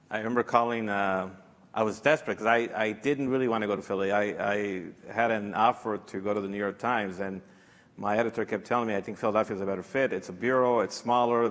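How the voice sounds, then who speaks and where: A man telling stories on a panel in a lively way, laughing readily. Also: lowish voice. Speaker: panel speaker. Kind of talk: storytelling on a panel. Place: lecture hall. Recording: reverberant lecture hall.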